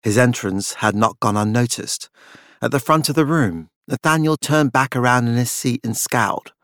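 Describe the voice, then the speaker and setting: A man's voice: mid-range voice, lively intonation, normal speed, fairly bright tone, no echo. Male audiobook narrator for literary fiction, middle register, dry studio sound. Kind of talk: scripted literary fiction narration with character voices.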